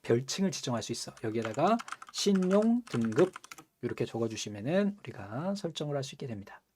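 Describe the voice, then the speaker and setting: A young man teaching a computer course over his screen, his voice mellow and warm with lots of rise and fall. He chats with his students, laughs easily and keeps tossing them quick questions. Keyboard typing clicks along behind him. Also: medium pitch, sing-song, a little hiss or hum. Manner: chatty, asks students rhetorical questions, laughs often. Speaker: computer skills instructor. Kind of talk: screen-recorded software tutorial.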